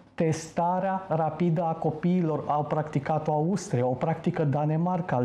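The room echo is audible. The speech moves at a fairly slow pace. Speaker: studio commentator. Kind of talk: news talk discussion. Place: studio. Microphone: lapel.

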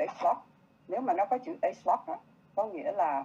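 This woman talks at a moderate pace. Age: 60s. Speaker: product presenter for a direct-sales company; presenter. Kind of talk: sales pitch. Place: home room. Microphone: video call.

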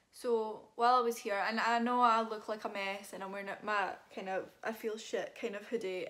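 This woman speaks with a Scottish accent. Her pitch sits fairly high, and her intonation is fairly even. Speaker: youtuber. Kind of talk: casual vlog.

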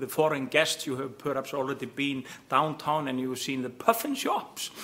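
A male speaker at a moderate pace. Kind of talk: formal opening speech. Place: hall. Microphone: podium.

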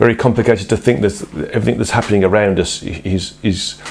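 Over noticeable background noise, a man with a West Midlands accent talks in a fairly low pitch with fairly even intonation. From West Midlands, England. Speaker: spiritual lecturer. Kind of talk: lecture with Q&A and guided meditation. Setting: online broadcast. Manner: fast talker.

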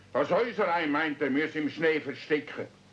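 A gruff, angry put-on character voice from a man, with lively intonation at a moderate pace. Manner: stubborn, gruff, angry.

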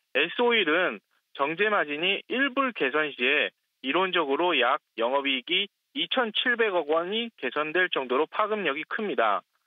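A man talks at a fairly slow pace. The sound is dry with no echo, over a quiet background. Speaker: securities analyst. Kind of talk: market commentary. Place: studio. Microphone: lapel.

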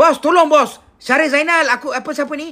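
Bright and sharp in tone, a man's raised, projected voice moves at a fairly quick pace. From Perak, Malaysia. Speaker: live-stream political commentator host. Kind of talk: angry rant. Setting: live stream with viewers commenting. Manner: ranting, loud, sarcastic, indignant, fast and repetitive. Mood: agitated, indignant. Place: home room. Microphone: phone near.

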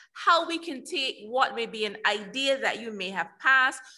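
Against a quiet background, a woman projects a raised, high-pitched voice with a bright, sharp tone. Her intonation is lively and her pace fairly slow. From Barbados. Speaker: workshop facilitator. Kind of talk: facilitated town hall meeting. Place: hall. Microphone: podium.

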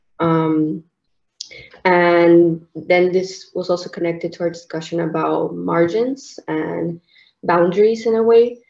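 A woman's fairly low voice at a very slow pace, audible room echo against a quiet background. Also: ordinary pitch variation. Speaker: student. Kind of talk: group presentation in a seminar. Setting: video call. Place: home room. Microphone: video call.

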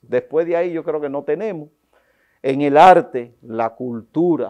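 A man's fairly high, dark, mellow voice with lively intonation at a fairly slow pace, against a quiet background. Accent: Dominican. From Dominican Republic. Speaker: history teacher. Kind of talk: interview. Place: studio. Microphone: lapel.

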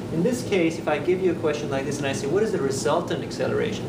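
Over loud background noise, a man talks very fast with ordinary pitch variation. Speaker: teacher. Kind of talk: lecture. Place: classroom.

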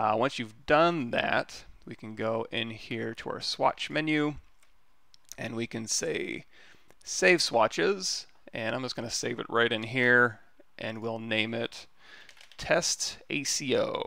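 Recorded dry with no echo against a quiet background, a man speaks at a very slow pace in a bright, sharp tone with ordinary pitch variation. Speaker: 3D sculpting instructor streamer. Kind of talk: livestream tutorial. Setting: livestream screen-share, home. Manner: casual, rambling.

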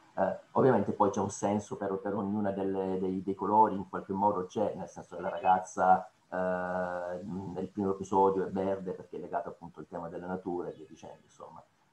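Over audible room echo, a man with a very deep, low pitch speaks monotone and flat at a very fast pace with hardly any pauses and big swings in loudness. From Italy. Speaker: film critic. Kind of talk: moderated Q&A. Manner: halting. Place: home room. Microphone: video call.

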